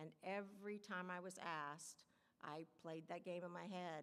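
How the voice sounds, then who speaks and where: A woman speaks in an unremarkable speaking voice. Her pitch is fairly low, with ordinary variation. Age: 50s. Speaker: retired corrections director and county commissioner. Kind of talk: speech to a live audience. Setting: chapel with audience.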